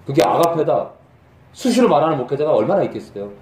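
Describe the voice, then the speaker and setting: A middle-aged male pastor giving a sermon in a conversational, animated way that rises to emphatic peaks. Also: on the high side, quick pace, recorded from a distance. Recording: echoey room from off mic.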